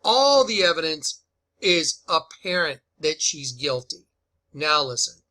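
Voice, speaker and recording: A man's voice: a little high, sing-song, takes it slowly, bright, forceful tone. A man hosting informal opinionated commentary, speaking in an emphatic, repetitive, accusatory way. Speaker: video host and commentator.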